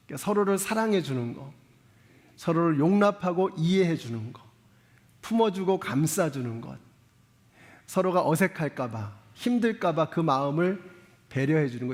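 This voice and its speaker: A male pastor preaching a sermon, talking straight to his congregation with frequent questions and earnest appeals. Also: high voice. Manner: earnest, exhorting. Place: church sanctuary. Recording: long church reverb.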